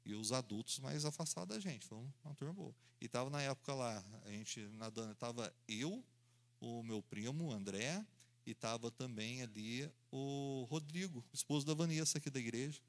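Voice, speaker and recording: A man, preaching in an animated storytelling style, acting out voices and sounds and laughing along as he goes. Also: medium pitch, normal speed. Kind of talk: storytelling sermon.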